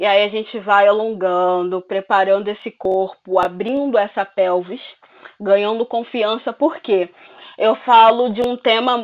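With a strong Rio de Janeiro accent, a woman of fairly high pitch speaks at a fairly slow pace with ordinary pitch variation. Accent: strong Rio de Janeiro (carioca). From Rio de Janeiro, Brazil (raised there, Angolan family). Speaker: pelvic movement and dance teacher. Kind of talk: casual chat.

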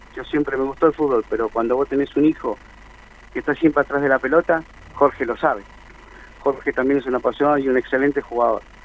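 A man talks very fast in a fairly high pitch with fairly even intonation, leaving long, frequent pauses. The sound is dry and close with no echo, and there is noticeable background noise. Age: 60s. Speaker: football club delegate. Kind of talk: interview.

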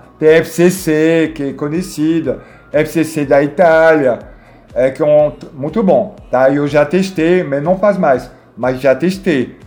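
A man with a French accent speaks at a very slow pace with fairly even intonation, leaving long, frequent pauses. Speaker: drone technician. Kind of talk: interview. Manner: halting.

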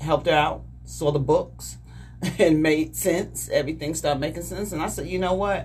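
A woman talks at a moderate pace. There is audible room echo. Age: 50s. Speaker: security business owner. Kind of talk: casual interview. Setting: studio.

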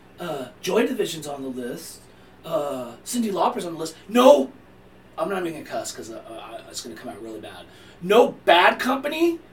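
A man's high-pitched voice with very wide pitch swings, big shifts in loudness and a moderate pace, over noticeable background noise. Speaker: podcast co-host. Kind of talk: casual chat. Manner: loud at times.

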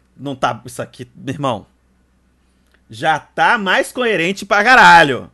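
A man with a fairly high pitch speaks fairly slowly in a bright, sharp, animated tone, his pitch swinging very widely, with long, frequent pauses and a quiet background. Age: 30s. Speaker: podcast host. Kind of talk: casual livestream chat.

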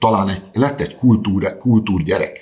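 Here a man speaks with a fairly low pitch. His voice is somewhat breathy. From southern Slovakia (Hungarian minority), Bős. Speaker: history teacher. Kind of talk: interview.

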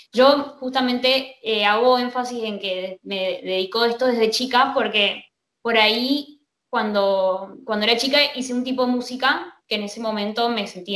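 A woman's fairly high voice with fairly even intonation at a moderate pace. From Argentina, Mendoza. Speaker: singer-songwriter. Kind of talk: interview.

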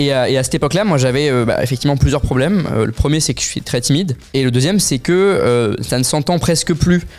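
A man talks at a fairly quick pace with hardly any pauses and ordinary pitch variation. Music plays in the background. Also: fairly high pitch for a man. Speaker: public speaking coach and content creator. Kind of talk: casual chat. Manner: fast.

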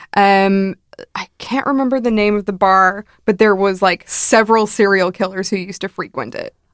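In a Pacific Northwest accent, a woman talks at a fairly quick pace with fairly even intonation, the sound dry and close with no echo. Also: medium pitch for a woman. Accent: American, Pacific Northwest. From US Pacific Northwest (Seattle area). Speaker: shop owner and podcast guest. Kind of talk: casual chat. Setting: Dublin, lives in Ireland.

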